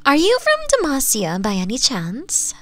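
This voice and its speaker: A sweetly teasing, possessive fox woman played by a woman in an ASMR roleplay. Her voice is fairly high and unhurried, soft and coaxing, slipping into breathy whispers. The sound is close and dry, with almost no room to it. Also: wildly swooping pitch, no room sound, full character voice. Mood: gentle, curious.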